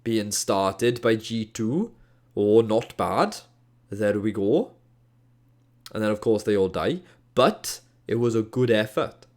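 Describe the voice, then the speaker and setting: Slow and darkish in tone, this man's lowish voice still has lively intonation as he casually goes over a match as an esports caster. He's from Wales, his Welsh accent edged with Scottish, and he comes across exasperated and jokey with slang-filled asides.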